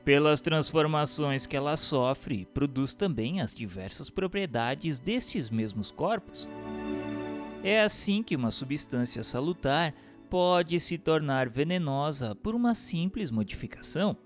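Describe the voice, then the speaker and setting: Brazilian male narrator, formal, measured, didactic, animated intonation, scripted audiobook reading, instrumental music underneath. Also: a little high. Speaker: narrator reading a religious treatise.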